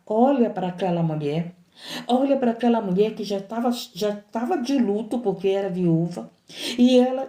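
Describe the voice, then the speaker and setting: A woman preaching with fervor, hammering the same phrases again and again. Her voice is deeply dark and mellow. The room around her rings with echo. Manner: impassioned, repetitive, emphatic preaching. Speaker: missionary preacher. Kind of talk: sermon.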